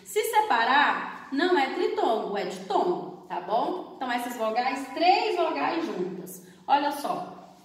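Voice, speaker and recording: Woman, Brazilian Portuguese accent, teacher, high lively voice, careful enunciation, long hall reverb. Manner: slow, drawn-out, over-enunciated explanation with frequent check-ins. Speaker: primary school teacher. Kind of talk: recorded grammar lesson for children. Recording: echoey room, distant from the mic.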